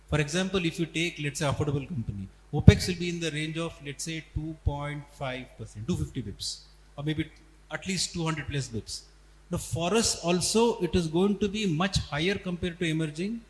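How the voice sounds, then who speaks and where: A man with an Indian accent, a company executive on an earnings call, explaining things step by step with emphatic repetition. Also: fairly high pitch. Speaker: company executive answering analysts. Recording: echoey reverberant hall, faint noise and hum.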